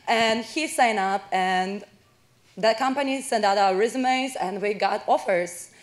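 Russian woman, 30s, lively onstage storyteller, handheld mic. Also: mid-range voice, unhurried. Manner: lively, laughing, gesturing storyteller. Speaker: hall of fame inductee. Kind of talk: onstage interview. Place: university event hall with audience.

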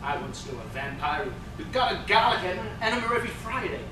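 A man's voice: high-pitched, sing-song, quick pace. A man playing a flamboyant, sassy, self-pitying gay werewolf in a staged comedy reading, full of campy pet names. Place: indoor stage, recorded from the audience by far camera. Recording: distant, echoey theater, noisy background.

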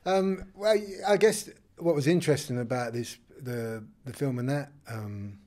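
A man's voice: mid-range voice, unhurried, dark tone. A man answering thoughtfully with frequent ums as a guest in a festival press-room interview, speaking into a handheld mic. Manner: thoughtful, hesitant with many ums. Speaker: actor being interviewed. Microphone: handheld mic held by interviewer.

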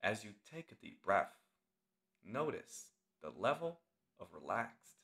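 With a lowish, gravelly voice that is a bit bright, a man narrates a guided meditation as instructor. He keeps his phrases short and measured, leaves long silences between them, and lets his sing-song intonation wander widely up and down.

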